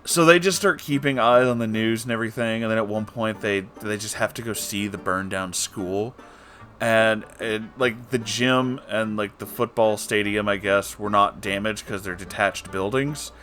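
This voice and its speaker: A man's voice: fairly low pitch, steady tone, normal speed, fairly bright tone, faint music behind. A man giving casual, sweary commentary on a book as host, sarcastic and emphatic in his delivery. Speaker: host of a book reading series.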